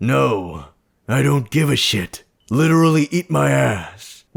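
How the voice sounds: A man's put-on character voice, gruff and growling, fairly low in pitch with very wide pitch swings, fairly slow and at very even loudness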